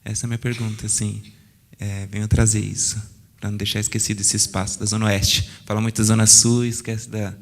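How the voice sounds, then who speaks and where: São Paulo man in the audience, gravelly and monotone, hesitant. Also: fairly low pitch, fast talker. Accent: São Paulo Portuguese. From São Paulo periphery, Brazil. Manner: hesitant, restarts, flat delivery. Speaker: audience member asking a question. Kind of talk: question from the audience. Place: museum auditorium.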